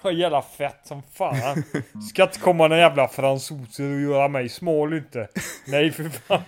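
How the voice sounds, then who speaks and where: A man's voice: mid-range voice, darkish tone, close to an everyday voice. A man putting on a boorish, swearing British patriot. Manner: crude, swearing, boastful.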